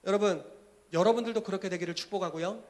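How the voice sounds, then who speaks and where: A male pastor preaching a sermon in an animated way, acting out scenes as he goes. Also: high-pitched, fast.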